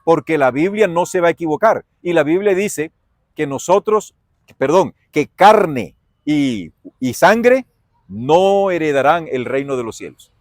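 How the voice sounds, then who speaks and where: High-voiced Colombian man preaching a Bible lesson. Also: measured pace, no room sound, clean studio sound. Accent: Colombian Spanish. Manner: folksy, animated, asks and answers his own questions. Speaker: pastor teaching Bible study.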